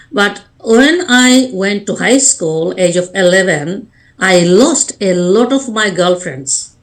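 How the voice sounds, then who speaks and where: A woman from Bangladesh, speaking earnestly as a life coach and guest on a radio interview. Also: medium pitch. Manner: earnest, speaks in short restarting phrases.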